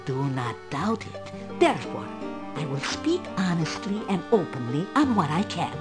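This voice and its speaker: An actress playing an old, proud Gypsy fortune teller in a video game, speaking in a theatrical, solemn and portentous manner. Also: female voice, low voice, sing-song, over music. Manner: theatrical, slow, solemn fortune-telling delivery. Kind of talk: dramatic video game character acting.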